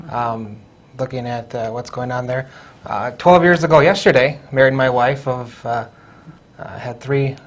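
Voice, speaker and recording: A man with an Upper Midwest accent speaks at a moderate pace with fairly even intonation and big swings in loudness. Noticeable background noise runs through the clip. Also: medium pitch for a man. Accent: Upper Midwest (Minnesota). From Owatonna, Minnesota. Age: 30s. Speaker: city council candidate, police officer. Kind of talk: interview. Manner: halting, many fillers.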